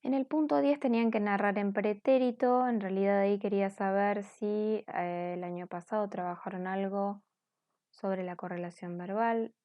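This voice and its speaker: Patient woman teacher, mellow dry voice. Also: mid-range voice, steady tone, normal speed, no room sound. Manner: patient, explanatory, checks in with "¿sí?". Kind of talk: recorded class correction lesson.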